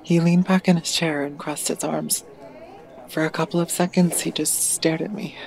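A woman playing a withdrawn, troubled teenager narrating an audio drama, hesitant and confiding in a creaky voice. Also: low-pitched, fairly even intonation, moderate pace, darkish tone, low-quality recording.

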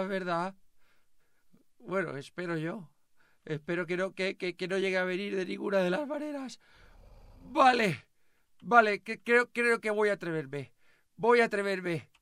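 Very high, panicky Spanish man. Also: clean tone, dry recording, studio quality. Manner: panicky, stammering, whining and shouting. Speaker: roleplay host. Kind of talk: Minecraft roleplay chat.

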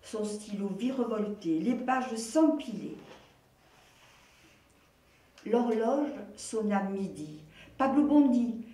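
Older woman, volunteer storyteller; slow, mellow picture-book reading, recorded roomy from a distance. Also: medium pitch, expressive. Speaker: volunteer reader. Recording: roomy echo, distant mic.

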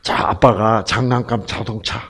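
A man's voice: fairly low pitch, fairly even intonation, normal speed, gravelly, a bit bright. A man giving a health lecture who acts out little scenes and keeps asking his audience questions. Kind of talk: lively lecture.

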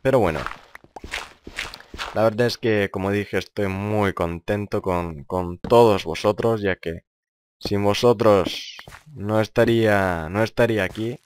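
A man's voice: measured pace, clean tone. A young man with a grave voice, improvising casual gameplay commentary in a serious, rambling way and often repeating himself. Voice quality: deep, grave voice. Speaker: gaming video creator.

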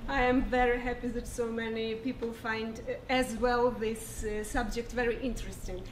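A woman's voice: a little high, little pitch movement, normal speed, background noise. Hesitant woman heard from across a hall. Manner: hesitant, searching for words. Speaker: musical presenter. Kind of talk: introducing a music performance. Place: small lecture hall. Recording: echoey room from far off.

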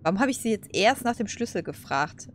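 A woman's voice: mid-range voice, sing-song, fairly quick, slight background noise. A woman casually commenting over a game, chatty, laughing and cursing at setbacks. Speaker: let's play host.

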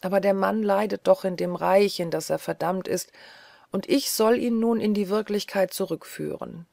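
A woman's voice: mid-range voice, normal speed, creaky, dark tone, no room sound, lightly acted. A woman voicing a weary, agitated young woman doctor who talks in restless, pleading chatter. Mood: pensive.

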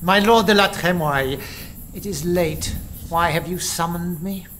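A man's voice: high-pitched, a little slow, background noise. A man playing a cautious, shrewd, prickly medieval archbishop in an audio drama, formal and pointedly questioning. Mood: wary.

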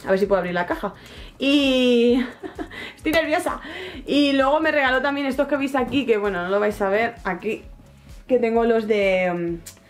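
A young woman excitedly chatting through an unboxing, gushing and repeating herself as she squeals with delight. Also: medium pitch. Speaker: book and collectibles vlogger. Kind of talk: excited casual unboxing chat.

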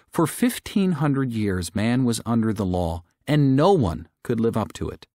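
A male audiobook narrator reads religious prose with earnest, careful articulation. His medium-pitched voice rises and falls in a lively way. The sound is dry and close, with no room around it. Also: no room sound.

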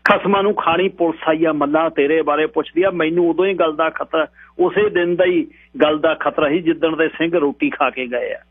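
Man putting on a high pleading old village mom, frightened, tinny radio sound. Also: steady tone, brisk. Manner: pleading, lamenting. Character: elderly woman, frightened pleading village mother. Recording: tinny radio broadcast with mains hum.

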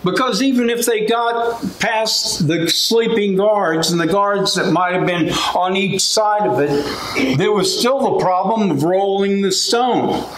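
Slow, high-voiced preacher. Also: male voice, fairly bright tone, slight background noise. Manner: gestures widely and paces behind the pulpit. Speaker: pastor. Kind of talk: sermon. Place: church sanctuary with congregation. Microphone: lectern microphone. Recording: roomy church sound with faint ambience.

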